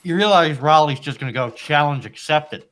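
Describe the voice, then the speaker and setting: A man's voice: on the high side, moderate pace, a bit bright. A man speaking as a panelist in a casual history discussion, building his argument in repeated phrases.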